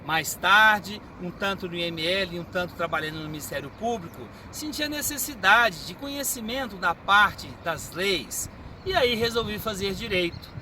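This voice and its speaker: A Brazilian man in his fifties, a forensic medical examiner, answering interview questions in a measured, teaching manner. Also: high-pitched, lively intonation, bright, forceful tone. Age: 50s. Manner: measured, didactic. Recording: street and car noise behind.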